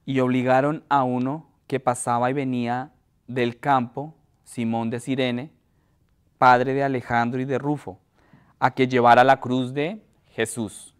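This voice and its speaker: A man preaching in a church, reading a scripture passage aloud and then explaining it with frequent pauses and restarts. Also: medium pitch, little pitch movement, clean tone. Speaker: pastor.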